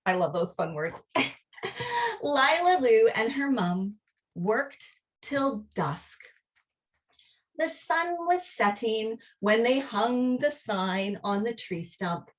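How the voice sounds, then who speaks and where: A woman reading a children's picture book aloud in an expressive, deliberate storytelling manner, drawing out her words. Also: a little high, far from the mic. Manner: animated, drawn-out, deliberate storytelling.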